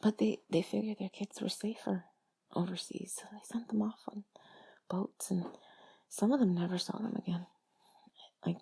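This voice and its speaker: A woman talking in a hushed, breathy, intimate whisper, rambling along in a reassuring, comforting way as if to one listener. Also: mid-range voice, rough recording. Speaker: audio creator speaking to listener.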